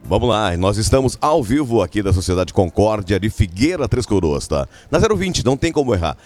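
A man with a Rio Grande do Sul accent reporting live for a radio show, chatty and lively. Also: on the low side, fairly quick, faint music behind. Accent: Rio Grande do Sul Portuguese. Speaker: field reporter.

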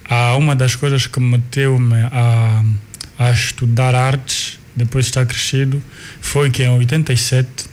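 Over a faint hiss, a guest in his forties, an artist and cultural manager, tells his life story reflectively. Kikongo is his first language, and his Portuguese carries an Angolan accent. His voice is mid-pitched, level, and darkish, and he takes his time, often pausing, repeating words, and beginning again as he remembers.

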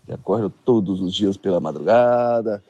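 A man's voice: lowish voice, moderate pace, dark tone, dull audio. A man calling into a radio show, devoutly greeting a long list of friends by name. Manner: devout, reels off long lists of names. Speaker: caller. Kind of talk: on-air greetings and shout-outs.

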